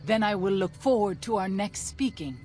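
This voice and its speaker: A woman playing a solemn tribal midwife and scout in a video game, speaking formally and with measured, archaic phrasing. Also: mid-range voice, lively intonation, warm tone, faint music behind, close to an everyday voice. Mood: reverent.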